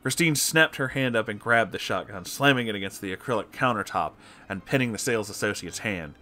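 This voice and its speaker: A man's voice: lowish voice, lively intonation, fairly quick, sharp tone. A man reading comic horror fiction aloud as a narrator, in a scripted, dramatic storytelling style.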